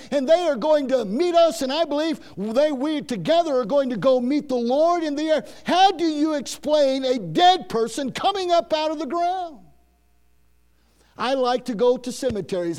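An older man preaching a sermon. His voice sits unusually high for a man, and he drives his points home with emphatic, repeated phrases, stumbling and restarting as he builds. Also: darkish tone. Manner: preaching with rising, emphatic repetition. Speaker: pastor. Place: church.

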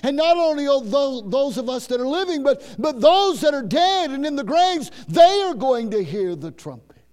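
A man's voice: very high voice, sing-song, moderate pace, a little mellow. An older man preaching a sermon in a church, building emphasis through repetition and restarts. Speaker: pastor.

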